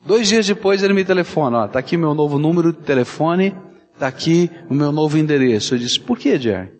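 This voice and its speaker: A Brazilian pastor preaching with animated storytelling, slipping into the voices of the people in his stories. His voice sits a bit high for a man. It rings out with a long reverb in a church hall. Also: fairly quick, soft background music. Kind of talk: sermon.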